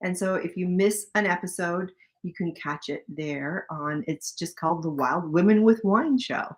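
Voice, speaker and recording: An older woman co-hosting a live stream, chatting casually and plugging the show with upbeat, warm-hearted energy. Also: on the low side, normal speed. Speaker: livestream co-host. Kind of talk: casual livestream chat.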